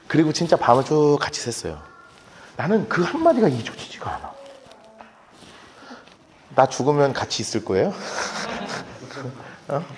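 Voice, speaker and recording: A man preaching a sermon as a pastor, telling the story in a lively way and acting out the quotes. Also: mid-range voice, measured pace, long pauses, slight background noise. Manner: animated, lively storytelling with acted-out quotes and laughter. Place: church sanctuary. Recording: echoey church hall with long reverb.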